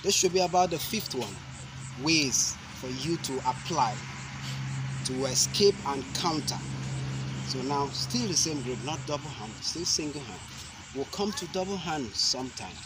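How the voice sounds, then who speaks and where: A young man demonstrating self-defense moves, explaining each step slowly and deliberately, with sharp shouted cries on the strikes. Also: fairly high pitch, lively intonation. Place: outdoor concrete court. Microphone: camera mic at a distance. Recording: outdoor noise from a camera mic.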